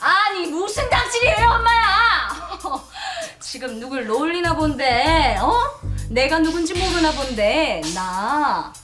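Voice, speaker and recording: A woman's voice: high-pitched, sing-song, takes it slowly, full character voice. A woman playing a snobbish, haughty mother in sketch comedy, scolding shrilly and exclaiming a lot. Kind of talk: broadcast sketch comedy acting. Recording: echoey stage with music.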